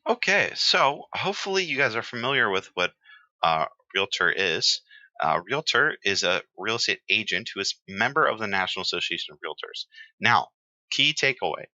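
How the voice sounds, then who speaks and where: An exam prep teacher with a very low-pitched voice that carries a very bright, forceful edge covers exam vocabulary in a relaxed, chatty lecture. He fills his pauses with plenty of "uh" and "um," and the recording sounds dry and a little dull.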